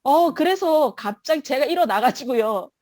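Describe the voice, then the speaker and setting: A woman's voice: high-pitched, animated, normal speed, darkish tone, no room sound. A woman giving an emotional personal testimony in church, telling her story vividly.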